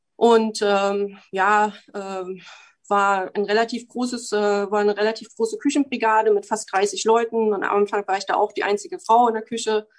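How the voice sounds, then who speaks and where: Over a quiet background, a woman with a plain, everyday voice speaks at a moderate pace. Her pitch is fairly high and her intonation fairly even. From Torgau, Saxony. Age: 40s. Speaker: chef. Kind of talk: personal storytelling.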